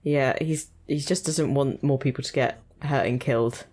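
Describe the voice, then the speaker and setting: A young woman giving casual, chatty reaction commentary while watching an episode, thinking aloud in quick asides. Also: rumbling low, a little mellow, breathy edge. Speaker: reaction video host.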